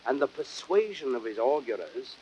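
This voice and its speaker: A man's voice: mid-range voice, big pitch swings, moderate pace, a little mellow, lightly acted. A man playing a bitter, persuasive Roman nobleman who plots, in declamatory, impassioned classical Shakespearean style. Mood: grave. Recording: noisy old audiodrama record.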